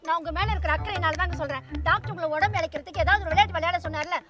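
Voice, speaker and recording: A woman's voice: extremely high pitch, over music. A woman acting a scolding wife in a comedy sketch. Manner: scolding, quick.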